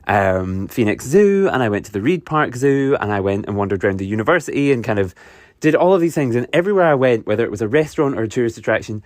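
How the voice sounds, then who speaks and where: A man's voice: medium pitch, lively intonation, fast, dry recording, studio quality. Enthusiastic Scottish man hosting a podcast. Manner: enthusiastic, rambling, many fillers and restarts. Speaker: podcast host. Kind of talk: casual solo podcast recap.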